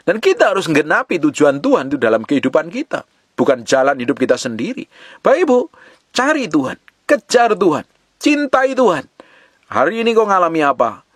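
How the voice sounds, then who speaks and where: A man preaching a sermon with passion, calling out to the congregation and slowing down to stress key phrases. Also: a little high, fairly bright tone, no room sound, clean studio sound. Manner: impassioned preaching, calls out to the congregation. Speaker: pastor.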